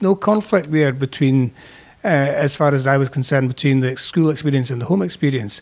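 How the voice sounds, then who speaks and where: Lively intonation and a fairly quick pace mark this voice with a Scottish accent. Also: man. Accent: Scots-tinged Scottish English. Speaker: novelist. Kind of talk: conversation. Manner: thoughtful, hesitant.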